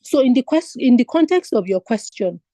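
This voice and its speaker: A woman's voice: fairly high pitch, expressive, moderate pace, dark tone, no echo, studio quality. A woman from Nigeria teaching an online finance exam lesson, explaining step by step and asking her class rhetorical questions. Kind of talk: online lecture.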